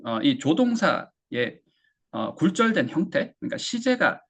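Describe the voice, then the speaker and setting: Pronunciation teacher, male, husky and gravelly, repeats phrases slowly. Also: mid-range voice. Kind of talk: classroom lesson.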